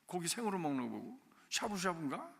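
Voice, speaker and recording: A male pastor preaches a storytelling sermon in a high, bright voice. He moves from loud emphasis to soft, near-whispered asides, and a long reverb from the church sanctuary follows every phrase. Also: very animated, fairly quick, gravelly, breathy edge. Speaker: senior pastor.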